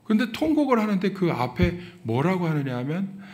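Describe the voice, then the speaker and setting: A middle-aged man, a pastor, preaching a sermon and telling a story, his voice swinging from soft to loud. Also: sits high, very animated, moderate pace.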